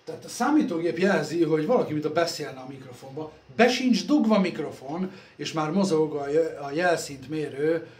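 A man talking casually while working on computers in his workshop, rambling and self-deprecating, recorded on a phone. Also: fairly high pitch. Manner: rambling, self-deprecating, trailing off softly at phrase ends. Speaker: computer repair vlogger. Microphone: phone camera. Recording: echoey workshop room, faint ambience.

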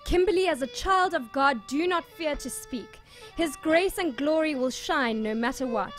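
A woman's voice: high-pitched, lively intonation, normal speed, a bit bright, soft background music. A woman playing a pious, motherly nun in an audio drama, soothing and hesitant, protective of her church.

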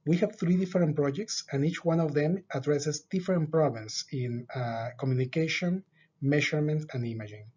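A middle-aged man with a slightly raised, husky voice gives a measured, scripted research overview. His tone is mellow. He is recorded on a desk webcam with dull, lo-fi sound. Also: a little high. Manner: measured, deliberate delivery with occasional filler pauses. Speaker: lab director giving a research overview. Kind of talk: scripted presentation. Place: office with a whiteboard.

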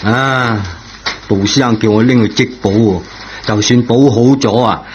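A man playing a kindly, fretful older school servant in a radio drama, with a husky voice. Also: mid-range voice, steady tone, unhurried, slight background noise, lightly acted. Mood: grumbling. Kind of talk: Cantonese radio drama acting. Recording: dull, lo-fi old radio recording.

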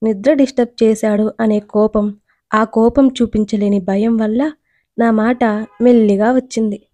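A young woman narrates a first-person audio story with expressive, dramatic reading. Her voice sits a little high yet sounds dark and mellow. The recording is close and dry. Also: a little slow, no echo.

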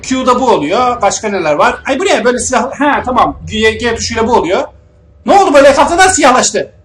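A young man giving let's play commentary on a video game, swinging between muttered remarks and sudden yelling and swearing at the enemies. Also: extremely high pitch, a little fast. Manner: excitable, yells and swears at enemies, then mutters calmly. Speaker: gamer playing a video game. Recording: roomy echo with faint game music.

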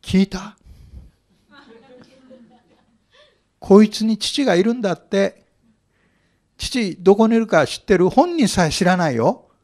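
A man's voice: high voice, lively intonation, moderate pace, darkish tone, voice pushed up. A man acting out a scornful male Pharisee who taunts a crowd, as part of a Bible lecture. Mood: mocking.

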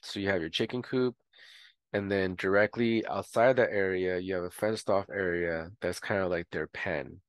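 Low-voiced guy talking through a backyard tutorial, loose and easygoing, lots of ums, dry close mic. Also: moderate pace, no room sound. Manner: relaxed, rambling with many fillers. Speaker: homestead educator. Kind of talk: casual tutorial voice-over.

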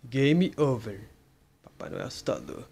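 A man's voice: medium pitch, a little slow, gravelly, husky. A man casually commenting on a horror game as he plays, talking to viewers and a friend, yelping at scares. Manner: excitable, yelps at jump scares, talks to viewers and a friend. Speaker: gamer playing a horror game.

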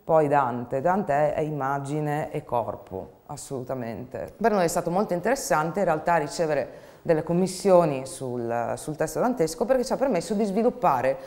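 A woman's voice: sits low, expressive, normal speed, hardly any pauses, a little mellow. A woman in her thirties, a theatre artist, talking reflectively in an interview about her work. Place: dark indoor studio.

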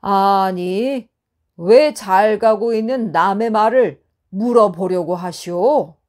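A woman voicing a nonchalant male scholar on horseback who answers with deadpan wordplay. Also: mid-range voice, takes it slowly, natural voice. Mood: smug.

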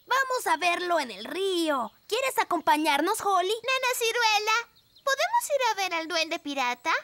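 Little fairy princess, very high, lively, eager, childlike, Latin American Spanish, cartoon, loud music. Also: normal speed, no room sound, exaggerated voice. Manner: bright exclamations, childlike eagerness. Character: excitable, polite little fairy princess girl. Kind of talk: animated children's cartoon dub.

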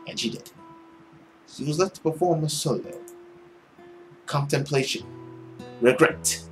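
A young man reading a visual novel aloud dramatically, with an expressive, theatrical manner. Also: on the high side, unhurried. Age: young adult. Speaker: let's play host. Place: small indoor room at home. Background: music.

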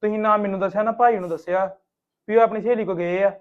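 A man's voice: high-pitched, fairly even intonation, fast, close to an everyday voice. A man playing a peacemaking younger brother, lo-fi. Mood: placating. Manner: soothing, peacemaking. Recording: dull lo-fi recording.

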